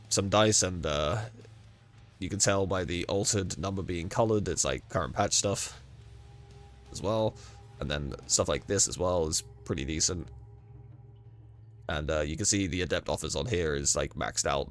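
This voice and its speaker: A man's voice: deep voice, fairly bright tone. A man with a cold and a congested voice casually talking through a game build and run, rambling with frequent self-corrections. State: congested with a cold, losing his voice. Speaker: gaming guide creator. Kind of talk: casual gameplay walkthrough commentary.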